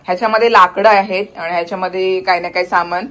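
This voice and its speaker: A young woman vlogging outdoors on a village farm, chatty and quick to laugh as she calls out to her family. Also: lowish voice, steady tone, a bit bright. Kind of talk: casual vlog narration.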